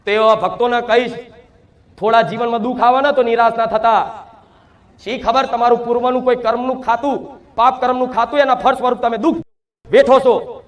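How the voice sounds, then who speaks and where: A man's voice: very high voice, steady tone, fairly quick. A man giving an emphatic devotional sermon, speaking in the first person as a divine mother to her devotees and asking rhetorical questions. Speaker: spiritual medium speaking as the goddess to devotees.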